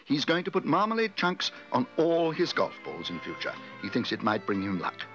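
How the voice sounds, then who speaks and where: A man's voice: medium pitch, sing-song, moderate pace, dull audio, over music, voice pushed up, lightly acted. A man voicing a polite, earnest, hopeful young bear in a children's storybook reading. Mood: helpful, pleased. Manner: courteous, eager, literal-minded.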